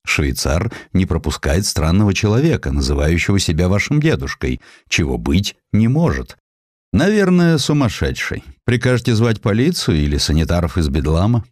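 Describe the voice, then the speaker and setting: A man's voice: low-pitched, sing-song, moderate pace, darkish tone, no echo, studio quality. A man voicing an agitated, bewildered and formal embassy secretary in a historical audiobook.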